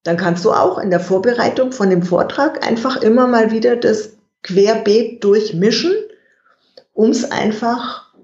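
A guest expert in an interview, explaining communication in a measured way and thinking aloud with fillers. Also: medium pitch, darkish tone. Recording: dull, roomy recording.

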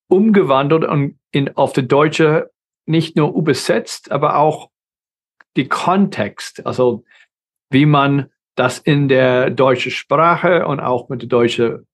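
A middle-aged man from the United States with an American accent, a guest consultant talking in his second language, with frequent restarts and grammar slips. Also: on the high side. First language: English. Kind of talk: conversational interview.

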